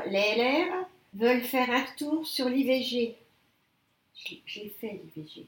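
A woman with a high pitch and lively intonation speaks very slowly, with long, frequent pauses and big swings in loudness. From Paris region. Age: 80s+. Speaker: retiree sharing life story. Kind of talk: interview, personal testimony. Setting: unusual recording conditions. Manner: halting.

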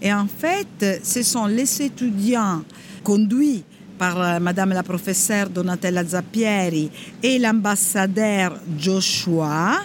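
In an Italian accent, a woman speaks at a very slow pace, medium in pitch and somewhat breathy, with ordinary pitch variation and very even loudness. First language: Italian (speaking French). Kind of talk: interview at a trade fair.

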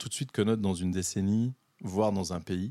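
The man's tone is dark and mellow, at a moderate pace. The sound is dry and close, with no echo. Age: 50s. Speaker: artist and musician. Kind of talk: casual conversation. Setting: studio. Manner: hesitant, repeats words.

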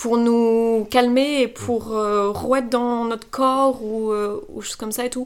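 This woman's voice sits fairly high and keeps a fairly even intonation. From Brittany, France. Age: 20s. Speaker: sociology student. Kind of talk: interview. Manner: halting, many fillers.

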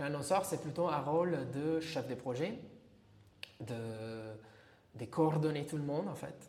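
Very slowly, a man speaks with an Italian accent and ordinary pitch variation. Audible room echo surrounds his voice. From Italy. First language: Italian (speaking French). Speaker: SEO specialist. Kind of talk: podcast interview.

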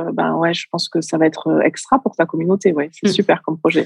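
Speaking at a fairly quick pace, a woman has an ordinary speaking voice at a medium pitch with ordinary pitch variation. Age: 30s. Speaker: emotional intelligence coach. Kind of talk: interview conversation.

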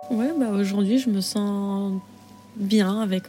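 At a fairly slow pace, a woman speaks in a plain, everyday voice. Her pitch is medium and her intonation fairly even. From France. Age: 20s. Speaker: interviewee. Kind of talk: testimony.

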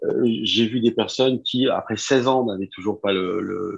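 A man speaks with ordinary pitch variation. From Nice, southern France. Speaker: tattoo artist. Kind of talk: interview. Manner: halting, repeats words.

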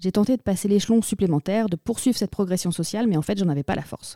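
On a very clean recording with a silent background, a woman speaks very fast in a medium-pitched voice with a dark, mellow tone and ordinary pitch variation, the sound dry and close with no echo. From western France, Vendée. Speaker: podcast host and life coach. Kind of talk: scripted podcast monologue.

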